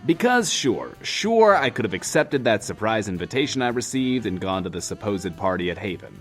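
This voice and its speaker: An actor playing a self-important, wordy, lonely radio host in a post-apocalyptic bunker, in an audio drama. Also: male voice, lowish voice, sing-song, normal speed, faint music behind. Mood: showy, defensive. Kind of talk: in-world radio show monologue, audio drama.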